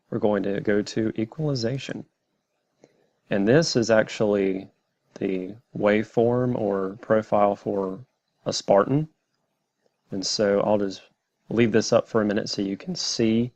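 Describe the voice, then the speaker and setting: A man walks through software steps as a tutorial presenter, plainly and methodically. His voice is a touch low, recorded very dry with a slightly muffled, homemade sound. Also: no echo. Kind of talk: step-by-step software tutorial narration.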